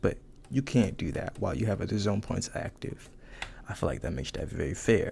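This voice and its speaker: At a fairly quick pace, a man speaks with a fairly low pitch and vocal fry. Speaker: amateur writer explaining his fictional world. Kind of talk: casual explainer monologue. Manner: casual, halting with fillers.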